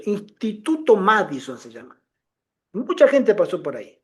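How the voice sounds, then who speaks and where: A middle-aged man giving an informal testimony to a congregation, telling a story in an animated way and acting out the voices of the people he quotes. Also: sits high. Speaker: lay ministry speaker.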